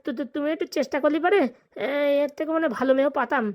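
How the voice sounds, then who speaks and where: A woman's voice: high voice, rapid-fire, muffled recording, natural voice. Woman as a stammering, pleading cartoon bridegroom. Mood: nervous, pleading. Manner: stammering, hesitant, deferential. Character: nervous, pleading, balding young village bridegroom. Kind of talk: comic cartoon dialogue.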